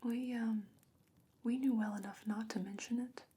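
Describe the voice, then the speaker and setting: A woman playing a calm, knowing, secretive potion maker in a soft-spoken ASMR fantasy roleplay, whispering slowly and breathily with measured, hesitant pauses. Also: fairly high pitch, slightly rough. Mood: guarded, reminiscing.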